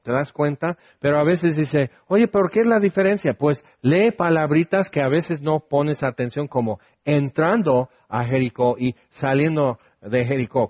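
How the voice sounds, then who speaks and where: A man's voice: medium pitch, a little mellow, no echo, lo-fi sound. A man preaching a conversational sermon, asking his listeners questions and acting out the lines he quotes.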